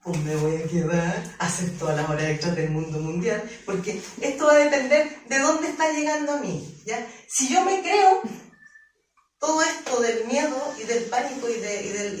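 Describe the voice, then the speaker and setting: A woman's voice: a little high, normal speed. A woman giving a conversational motivational talk, often checking in with the audience and acting out inner voices. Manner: acts out quoted inner voices and dialogues. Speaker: speaker giving a talk on limiting beliefs. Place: conference hall. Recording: roomy hall from a distant mic, faint noise.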